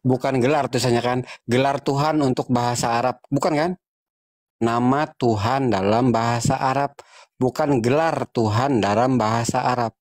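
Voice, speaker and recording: A man's voice: medium pitch, moderate pace, a little mellow. A man in a live debate, pointedly correcting his opponent's wording.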